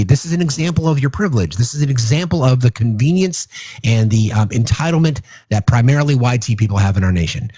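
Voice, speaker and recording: A man's voice: mid-range voice, warm tone, breathy edge, dry recording, muffled recording. Blunt, profane middle-aged man ranting. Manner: blunt, profane, confrontational, many restarts. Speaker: host. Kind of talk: ranting political commentary.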